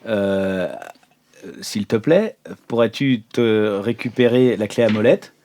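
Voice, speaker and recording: A man's voice: lowish voice, takes it slowly, mellow. A man playing a tabletop game, chatting and improvising casually, with faint noise in the recording. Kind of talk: casual improvised role-play chat.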